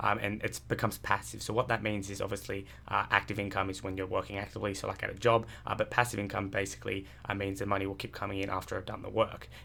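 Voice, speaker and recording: Very fast speech from a man in an Australian accent. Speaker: online money-making youtuber. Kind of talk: tutorial.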